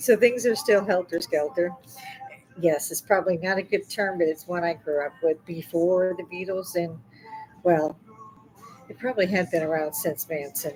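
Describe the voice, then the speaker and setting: With music in the background, a woman with an American accent and a fairly low voice speaks with ordinary pitch variation, big swings in loudness and long, frequent pauses. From Chicago. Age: 60s. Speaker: livestreamer, retiree. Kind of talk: casual livestream chat. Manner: fast.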